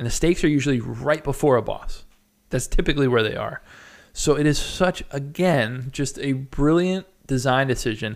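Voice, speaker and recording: A man's animated, fairly high voice with ordinary pitch variation at a moderate pace, on a very clean recording with a silent background. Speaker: video game podcast host. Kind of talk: casual chat.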